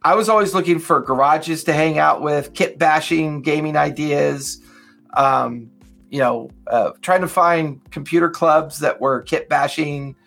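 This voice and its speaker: A man's voice: fairly high pitch, a little slow, vocal fry, a bit bright, faint music behind. A man in his fifties co-hosting a podcast, chatting casually and reflectively with lots of fillers. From Southern California. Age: 50s. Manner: rambling, reflective, many fillers. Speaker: podcast co-host. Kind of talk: casual chat.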